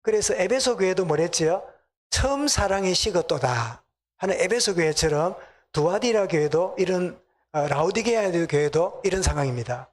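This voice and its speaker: A middle-aged pastor with a Gyeongsang Korean accent preaches in a church sanctuary, chatting with the congregation and putting questions to them. His voice is high, with lively intonation and a moderate pace.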